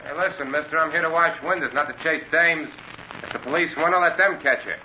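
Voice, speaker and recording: An actor playing a gruff, surly window washer in an old radio drama. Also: male voice, on the high side, fast, slight background noise, close to an everyday voice. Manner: surly, brusque. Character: gruff working-class male window washer. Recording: dull old radio broadcast.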